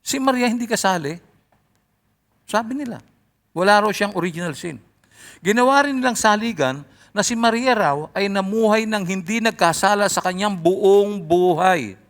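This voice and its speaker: A male pastor preaching a sermon in an animated way, his voice often rising loud. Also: high voice, moderate pace.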